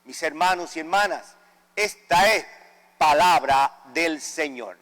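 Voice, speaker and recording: Male priest, higher-pitched voice, solemn liturgical reading with small self-corrections, ringing in long cathedral echo. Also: slow, a bit bright. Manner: solemn proclamation with occasional stumbles and self-corrections. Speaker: Catholic priest celebrating Mass. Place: large reverberant church.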